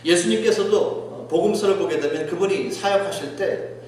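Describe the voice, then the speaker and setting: A man's voice: high voice, normal speed, darkish tone, very echoey, recorded from a distance, slight background noise. A man preaching a sermon as pastor, dramatic, acting out quoted speech in a raised voice. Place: church sanctuary.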